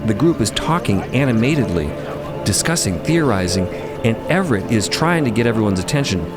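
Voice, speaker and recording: A man narrating scripted audio fiction dramatically, in a deliberate, suspenseful manner. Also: fairly low pitch, sing-song, loud music behind the voice. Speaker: narrator and co-host.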